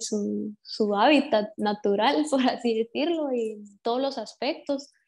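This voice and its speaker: This woman's voice sits fairly high, with ordinary pitch variation and a very slow delivery. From Guatemala. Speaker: professional footballer. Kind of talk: interview. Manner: halting, many repetitions.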